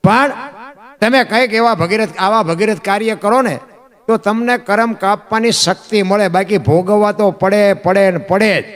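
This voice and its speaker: High-voiced folk storyteller man. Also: moderate pace, fairly bright tone. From Gujarat, India. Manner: rhythmic, repeats phrases for emphasis, addresses listeners as bapu.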